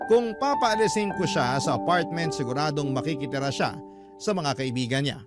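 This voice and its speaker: A man's voice: a little high, expressive, moderate pace, natural voice. A man voicing a troubled young woman confiding. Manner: earnest, confessional. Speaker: letter-sender narrator. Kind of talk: dramatized first-person letter reading. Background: loud background music.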